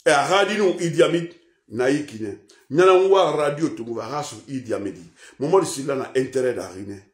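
A man with a Guinean accent, a political commentator ranting in French mixed with a local language, swinging between loud outbursts and low mutters. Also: lively intonation, brisk, reverberant. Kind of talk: impassioned radio-style rant.

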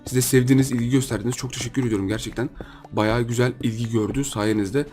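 Chatty young Turkish gaming commentator. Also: male voice, mid-range voice, steady tone, fast talker, darkish tone, faint music behind. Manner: chatty, addresses viewers as friends, thinks aloud while playing. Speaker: gaming YouTuber. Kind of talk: casual gameplay commentary.

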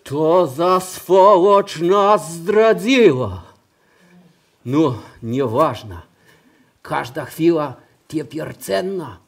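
A man's voice: on the high side, extremely slow, gravelly, exaggerated voice. An actor playing a brash male angel who served in Russia, speaking with a Russian accent and drawling his rhymes. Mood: gruff. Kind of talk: rhyming nativity comedy play.

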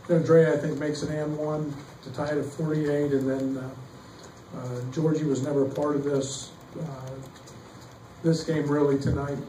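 A middle-aged man, a basketball coach, answering questions at a postgame press conference, halting with many fillers and restarts. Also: medium pitch, mellow. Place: press room behind a table. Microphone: table mic, heard from some distance. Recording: echoey room, distant mic, faint noise.

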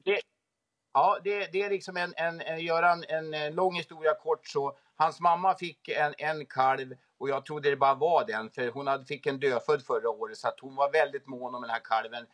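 A man's voice: a little high, steady tone, fairly bright tone. A middle-aged man chatting casually as an interview guest on a video call from home. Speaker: guest, moose park keeper. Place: room at home, indoors. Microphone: phone video call.

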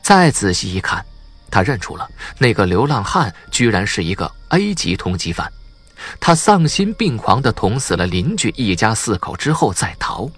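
Husky, expressive male audiobook narrator. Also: lowish voice, moderate pace, soft background music. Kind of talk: scripted narration of a suspense crime novel.

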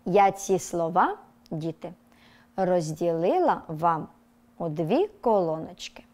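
A woman teaching a televised lesson to young children, telling a little story and dictating words slowly and clearly. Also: fairly low pitch. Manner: lively storytelling tone. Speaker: primary school teacher. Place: TV studio.

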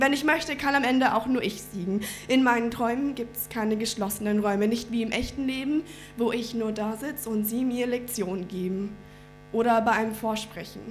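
A young woman performing a rhymed slam poem on a small indoor stage at a stand mic, earnest and rhythmic, sometimes sinking to a near-whisper. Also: fairly high pitch. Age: young adult. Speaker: slam poet. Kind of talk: rhymed spoken-word performance.

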